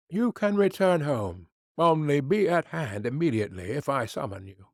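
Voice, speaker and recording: A man's put-on character voice, fairly high in pitch, with very wide pitch swings, big swings in loudness and a moderate pace. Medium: read story.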